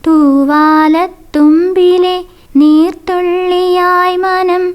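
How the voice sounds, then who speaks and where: A woman recites poems in a melodic chant. Her voice is high and keeps within a narrow range, and the delivery is extremely slow and drawn out. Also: mellow. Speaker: poet reciting own work. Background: music.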